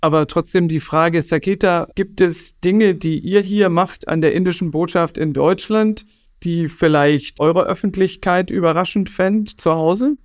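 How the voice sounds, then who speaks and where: Brisk man moderating an interview. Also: sits high, dry recording, studio quality. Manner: brisk, reads prepared questions. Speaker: host.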